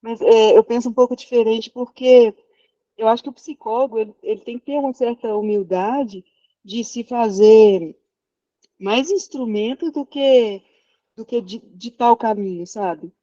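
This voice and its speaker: A woman psychologist speaking in a casual group discussion, polite and hedging gently. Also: a little high, measured pace, no room sound, muffled recording.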